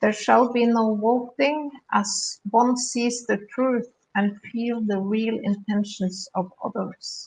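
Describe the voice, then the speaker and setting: A woman talks very slowly with a Norwegian accent, her somewhat breathy voice keeping a fairly even intonation. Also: fairly high pitch for a woman. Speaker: spiritual council representative. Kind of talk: reading a prepared statement. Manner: formal.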